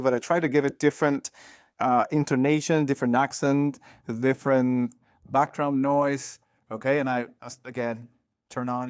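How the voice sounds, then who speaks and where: A man with a smooth, mid-range voice leads a hands-on workshop for a live audience. As the instructor, he speaks emphatically, repeats the key points and keeps checking that everyone is following.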